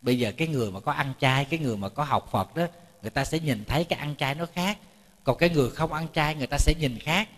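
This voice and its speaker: A man with a somewhat bright, high-sitting voice and a quick pace gives a chatty Buddhist sermon built on stories. He repeats words often and jokes with his audience, in a reverberant temple lecture hall.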